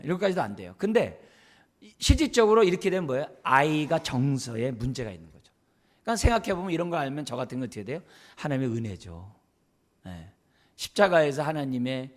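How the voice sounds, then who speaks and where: Man preaching at church, keeps asking the congregation questions, voice goes way up and down. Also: medium pitch. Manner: many rhetorical questions to the congregation. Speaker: pastor. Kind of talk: sermon on parenting. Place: church service.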